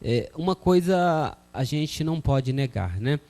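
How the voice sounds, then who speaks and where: A man's voice: a little high, expressive, a little slow, warm tone, faint music behind. A man hosting a Christian television program, talking earnestly about forgiveness and reading scripture in a preacherly way. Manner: earnest, preacherly, many filler "né?". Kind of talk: religious talk show, reading viewer messages and scripture.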